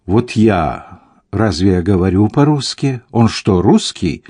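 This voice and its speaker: Gruff middle-aged police commissioner, read by a man. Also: lowish voice, animated, slow, dark tone, heavily acted. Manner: gruff and dogged.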